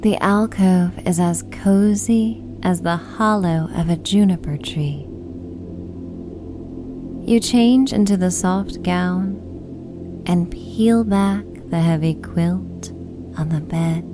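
A woman narrating a bedtime sleep story in a soothing, hushed, unhurried manner. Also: on the low side, fairly even intonation, music in the background. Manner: soothing, hushed, unhurried guided relaxation delivery.

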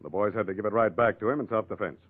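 A man acts a harried detective lieutenant from an old radio play. He speaks rapidly and insistently at a medium pitch. The sound is dry and narrow, like a 1940s broadcast. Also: dry recording, close to an everyday voice. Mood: harried, firm. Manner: insistent, explanatory. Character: harried male homicide police lieutenant. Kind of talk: 1940s radio crime drama acting.

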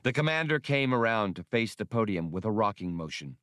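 Guy reading a sci-fi audiobook, low voice, dry close sound, measured but expressive. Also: no echo. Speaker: audiobook narrator. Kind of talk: scripted dramatic narration of a science fiction adventure.

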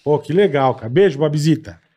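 A man's voice: a little high, lively intonation, a little fast, crowd noise. A man co-hosting a podcast, enthusiastic and full of slang and swearing. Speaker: podcast co-host. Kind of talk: casual chat.

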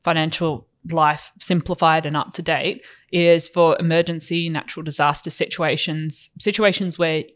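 A podcast co-host explaining finances in a steady, measured way with some filler words. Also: mid-range voice.

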